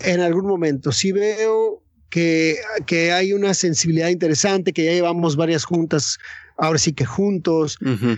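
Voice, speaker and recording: The speech moves at a moderate pace with ordinary pitch variation and very even loudness. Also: man, high pitch for a man. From Tijuana, northern Mexico. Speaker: golf course architect. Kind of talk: interview. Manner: halting, many fillers.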